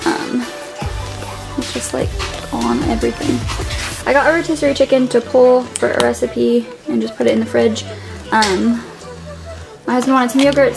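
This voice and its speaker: A woman's voice: a little high, gravelly. A young woman at home showing her grocery haul on a handheld camera, talking casually with lots of "like" and "um". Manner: relaxed and chatty, many fillers like "like" and "um". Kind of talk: casual chat. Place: home, indoors, at a table. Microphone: camera held overhead, point-of-view shot. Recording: home video with music underneath. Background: background music.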